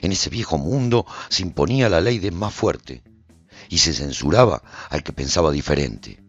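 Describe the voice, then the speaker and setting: A man's voice: low-pitched, animated, moderate pace, husky, highs cut off, soft background music. An actor playing a haunted warrior who narrates his post-apocalyptic story in a solemn, theatrical, intense way for a radio drama. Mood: solemn, brooding. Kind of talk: dramatic first-person scripted narration.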